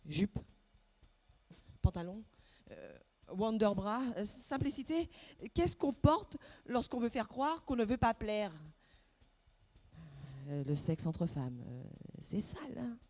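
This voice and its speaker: A woman's voice: medium pitch, big pitch swings, slow pace, long pauses, darkish tone. A woman narrating a stage play in the second person, with a wry, musing manner and many hesitations. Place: theatre stage.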